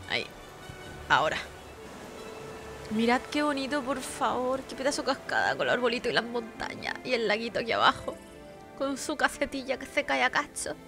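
A tired woman chats through her gameplay on a close mic. She swears freely and turns fights into dramatic cries for help, while game music plays clearly behind her. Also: high-pitched, fairly bright tone. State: tired, sleepy. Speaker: gameplay streamer. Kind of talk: casual gameplay commentary.

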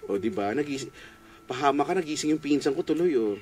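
Bantering and greeting listeners with playful giggles, a radio DJ with a Filipino accent speaks in a fairly high, expressive voice that is fairly quick and a little mellow. He's in a small radio studio using a boom mic and headphones.

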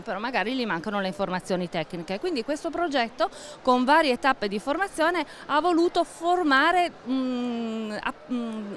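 A middle-aged woman interviewed at a fair stand, explaining a project in a measured way with frequent pauses and fillers, speaking into a handheld mic. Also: a little high, a bit bright, slight background noise. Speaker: interviewee, agricultural association staff. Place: indoor exhibition stand at a book fair.

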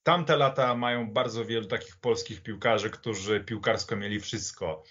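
Low-voiced man in dull audio. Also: steady tone, normal speed, fairly bright tone, breathy edge. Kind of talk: conversational football commentary.

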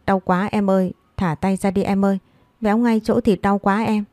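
A woman voicing a cheeky, pushy young man in his twenties who needles everyone in quick banter in a storybook. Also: mid-range voice, flat delivery, a little mellow, no room sound, close to an everyday voice. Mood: yelping. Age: 20s.

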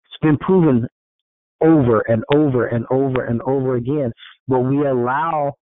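A man's voice: mid-range voice, fairly even intonation, normal speed, no room sound. Man speaking over a tinny phone line. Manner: rambling and informal, with many fillers and restarts. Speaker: motivational speaker on a group call. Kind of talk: casual motivational talk. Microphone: conference call line. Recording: thin, phone-like call audio.

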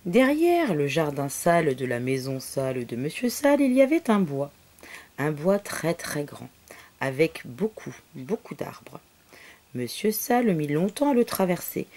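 A woman reading a children's story aloud expressively, with soft whispered asides to the listening child. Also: on the low side, big pitch swings, normal speed.

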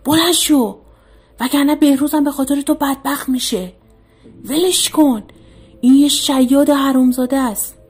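A woman voicing an evil spirit that urges and insults a listener, in a husky, insistent voice. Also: fairly high pitch, faint music behind. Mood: urging, scornful. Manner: insistent, scornful. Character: tempting evil spirit whispering in ear.

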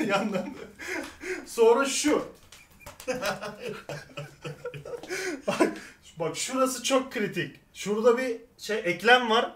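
High-voiced man, playful and teasing. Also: takes it slowly, pauses often, a bit bright, a little hiss or hum. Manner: playful, teasing, points things out. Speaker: show host. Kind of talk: casual chat.

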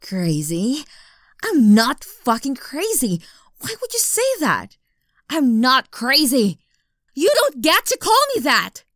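A woman's voice: high-pitched, huge pitch swings, a bit bright, no room sound, studio quality, heavily acted. A woman playing an obsessive, unstable young stalker girlfriend in an intimate ASMR roleplay, sweet and menacing by turns. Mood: furious. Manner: breathy whispers, halting, swinging from coaxing to outbursts. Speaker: voice actor in audio roleplay.

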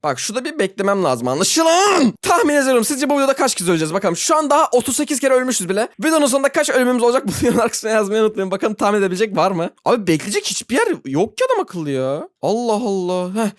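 An excitable gaming YouTuber talks viewers through a frustrating level, swinging from low mutters to high squeals with a very lively pitch. The sound is dry and close, with no room around it. The talk is self-mocking and chatty, aimed straight at the audience. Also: rapid-fire, hardly any pauses, dry recording. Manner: talks to viewers directly, laughs often. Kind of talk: Roblox gameplay commentary.

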